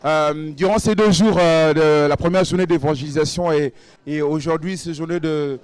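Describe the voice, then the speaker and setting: A man's voice: a little high, steady tone, moderate pace, darkish tone, smooth, no room sound. A man interviewing church members, stumbling and restarting his questions often.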